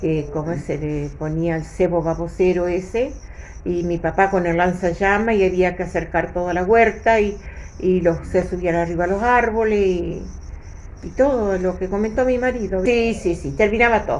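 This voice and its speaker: Mid-range female voice amid audible room reverberation. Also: ordinary pitch variation, moderate pace. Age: 80s+. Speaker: local elder recalling the past. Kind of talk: interview testimony.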